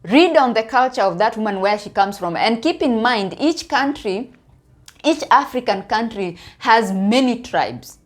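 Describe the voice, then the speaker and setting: Speaking with a Kenyan accent, this woman from Kenya offers her opinions to viewers in a casual online video, her fairly high voice full of lively intonation. Her delivery is halting, and she repeats words to stress her points.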